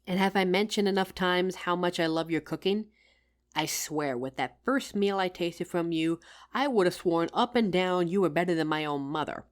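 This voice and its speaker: A woman's voice: on the low side, normal speed, close to an everyday voice. A woman playing a loving, tired career-woman wife in an intimate audio roleplay, speaking tenderly and teasingly as if to her husband. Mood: fond teasing.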